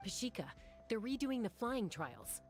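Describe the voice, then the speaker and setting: An actress playing a composed, frank female warrior in a video game, calm and measured. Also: a little high, faint music behind. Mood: calm, sincere. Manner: calm, measured, matter-of-fact. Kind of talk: video game character dialogue.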